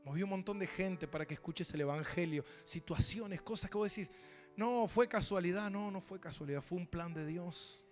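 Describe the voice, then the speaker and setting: A male pastor with an Argentine Spanish accent, preaching a sermon with personal stories, shifting between loud and soft. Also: high-pitched, normal speed, faint music behind.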